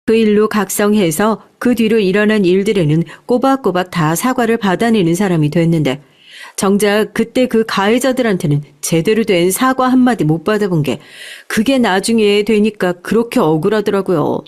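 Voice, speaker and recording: A woman's voice: medium pitch, moderate pace, a little mellow. A woman reading a scripted first-person story in a conversational, confiding way, as a storyteller addressing listeners politely.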